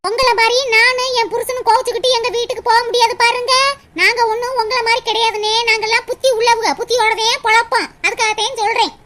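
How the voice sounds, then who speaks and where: A shrill, sharp-tongued cartoon daughter-in-law, voiced by a woman. She scolds in a sarcastic, rapid-fire way. Her very high, bright voice carries a faint hiss of room noise. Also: little pitch movement. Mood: scolding. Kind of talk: cartoon family drama voicing.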